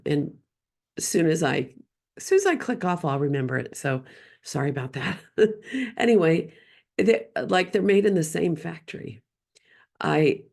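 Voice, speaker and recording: Slow, gravelly-voiced woman podcaster. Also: low-pitched, a little mellow. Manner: rambling, loses her train of thought. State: scratchy voice. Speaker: podcast host and business coach. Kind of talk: casual solo podcast talk.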